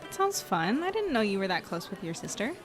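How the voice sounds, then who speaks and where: A woman's voice: medium pitch, very animated, brisk, faint music behind, natural voice. An actress playing a caring, curious young woman chatting with friends in an audio drama, casual and a little hesitant. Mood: concerned, curious. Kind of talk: acted dialogue in an audio drama podcast.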